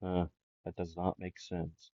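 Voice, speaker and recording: Man telling a fan story, rambling, slow pace, dull lo-fi dry sound. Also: low voice, monotone, warm tone, dry recording. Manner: rambling, self-interrupting, filler-heavy. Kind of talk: casual improvised fan story narration.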